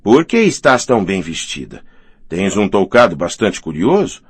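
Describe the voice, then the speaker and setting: A man's voice: low voice, very animated, normal speed, slightly rough, no echo, full character voice. A man reading a mocking young man. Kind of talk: audiobook reading.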